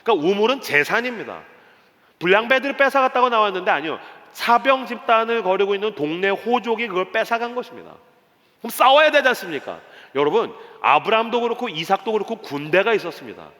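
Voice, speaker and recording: A male pastor preaching in a church sanctuary, his high, bright voice leaping up and down as he dramatizes the story. A long reverb trails every phrase. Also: fast. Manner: animated, dramatizing with acted voices and sound effects. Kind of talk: early-morning sermon.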